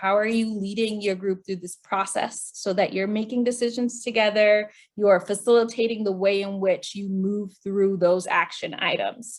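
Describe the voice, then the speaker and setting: Her pitch sits in the middle range as a woman talks at a moderate speed. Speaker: trainer. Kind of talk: online training workshop. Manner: animated.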